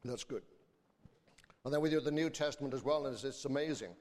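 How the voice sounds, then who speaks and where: A man's voice: medium pitch, fairly quick, darkish tone. A man preaching to a congregation, speaking informally and reading from scripture. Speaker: preacher and school teacher. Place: large reverberant church or hall. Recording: echoey hall with long reverb.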